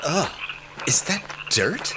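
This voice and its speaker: A man's voice: a little high, sing-song, slow, background noise. An actor playing a squeamish, sardonic man in an audio drama, a reluctant space traveler, uneasy and wry. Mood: disgusted.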